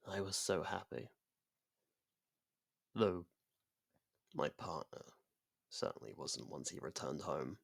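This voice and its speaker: Man acting a slow, gravelly, seductive ancient vampire. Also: low-pitched, dry recording, clean studio sound, full character voice. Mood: cool, detached. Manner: slow, deliberate, theatrical, often dropping to a whisper. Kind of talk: ASMR roleplay monologue.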